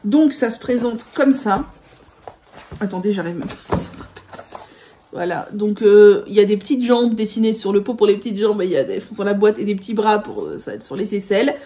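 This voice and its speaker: A woman's voice: mid-range voice, lively intonation, fairly quick, dark tone, slight background noise. A woman vlogger chatting casually about products, rambling with many hesitations.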